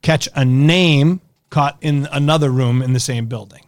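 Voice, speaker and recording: A man hosting a podcast in casual chat, presenting clips in an animated way with slangy exclamations. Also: mid-range voice, moderate pace, heavy background noise. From Massachusetts, US. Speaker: podcast host.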